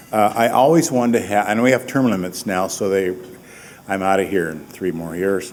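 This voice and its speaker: There is noticeable background noise as a man with an American accent talks at a fairly low pitch with ordinary pitch variation. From US West, San Diego County, California. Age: 70s. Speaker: county politician. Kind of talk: welcome speech. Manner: halting, many fillers.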